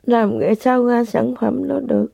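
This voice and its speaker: An older woman giving an emotional, halting spiritual testimony to listeners, often repeating herself. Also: fairly high pitch, steady tone, vocal fry, dark tone, no room sound, studio quality. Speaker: religious practitioner sharing testimony. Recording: dull lo-fi sound.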